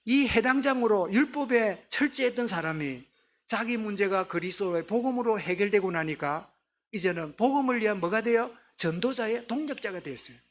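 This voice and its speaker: A man's voice: high-pitched, fairly bright tone. A male pastor with a Gyeongsang accent preaching a sermon, often asking the congregation questions and answering them himself. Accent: Gyeongsang dialect.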